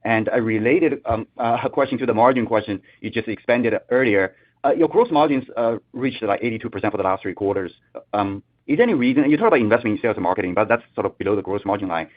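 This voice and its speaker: A man's voice: fairly low pitch, animated, quick pace, no echo. A man asking questions as an analyst on an earnings call, polite and rambling, repeating words. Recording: narrow dry telephone line.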